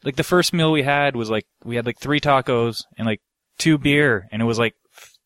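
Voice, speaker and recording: A man's voice: mid-range voice, normal speed, a bit bright, no room sound. Slangy man swapping stories, dry sound. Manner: slangy, sweary, rambling. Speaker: podcast co-host. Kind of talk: casual anecdote-telling chat.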